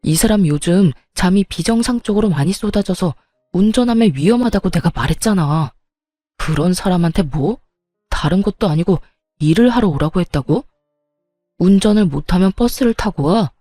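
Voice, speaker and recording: A woman's voice: mid-range voice, animated, normal speed, mellow, no echo, clean studio sound, soft background music, natural voice. A woman voicing a young husband who reproaches his mother in an agitated way, in a storytelling reading. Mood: upset.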